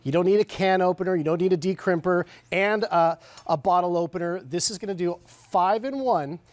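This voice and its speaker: A man's voice: high-pitched, a little fast, darkish tone, no echo. A middle-aged man giving a live, conversational product demonstration as a guest on a shopping show. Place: TV studio kitchen set.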